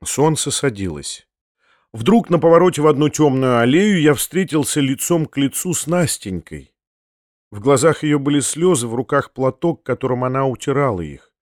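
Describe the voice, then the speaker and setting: A man's voice: mid-range voice, lively intonation, normal speed, darkish tone, no room sound. Dry, close male audiobook narrator. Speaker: audiobook reader.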